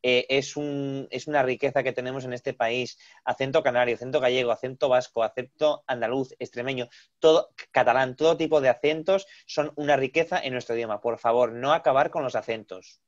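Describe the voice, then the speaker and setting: A man's voice: mid-range voice, fairly even intonation, fairly quick, muffled recording. A man interviewing an actress in a playful, enthusiastic, teasing way. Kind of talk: casual interview chat.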